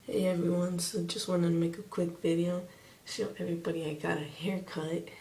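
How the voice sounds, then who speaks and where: Mellow-voiced young trans man in an echoey room. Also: high voice, level tone, moderate pace. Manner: easygoing, rambling, filler-heavy. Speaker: vlogger. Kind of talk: casual vlog. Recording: echoey room, faint noise.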